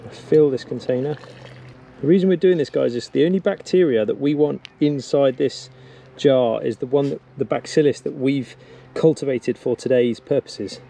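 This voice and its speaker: A creaky, dark-toned voice of medium pitch belongs to an English bushcraft instructor in his thirties, speaking at a moderate pace. On an action camera in the woods and a wooden cabin, he gives a cheerful, practical lesson in outdoor skills.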